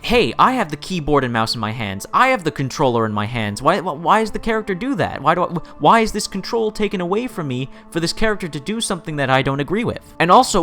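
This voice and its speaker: A man with a fairly high voice and very lively, swinging intonation delivers opinion commentary as a show host. He leans hard on key words and stacks phrases for emphasis, with light music behind him. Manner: emphatic, repeats and builds phrases for stress.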